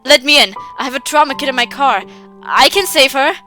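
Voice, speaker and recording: A woman voicing a desperate middle-aged male doctor who shouts and begs to be let in. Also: sits high, brisk, soft background music. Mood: pleading. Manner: pleading, shouting in rage.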